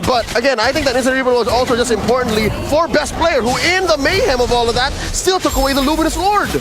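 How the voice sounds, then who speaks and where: High-pitched male esports colour commentator. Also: fast talker, background noise. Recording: game music behind the voice. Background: game music.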